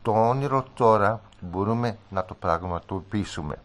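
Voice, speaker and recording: A man speaking as a guest on a studio radio discussion, earnest and emphatic, repeating his points. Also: fairly low pitch.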